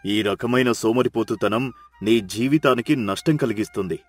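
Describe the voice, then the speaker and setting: A man's voice: mid-range voice, moderate pace, dry recording, faint music behind, lightly acted. A man playing a farmer and his son in a moral story, talking plainly and earnestly. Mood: concerned, scolding. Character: worried farmer father and his lazy, reluctant son. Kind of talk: acted dialogue in a moral story.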